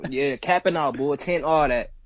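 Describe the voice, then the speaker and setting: A Cleveland, Ohio rapper in his twenties guests on a casual interview chat, speaking laid-back and slangy and repeating himself. His voice is fairly high, his pace moderate, and the sound lo-fi.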